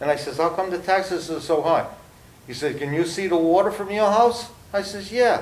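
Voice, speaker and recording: In a room with audible echo, a man with a high pitch talks at a fairly quick pace. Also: ordinary pitch variation. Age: 70s. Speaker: resident speaking at public meeting. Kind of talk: public comment at meeting.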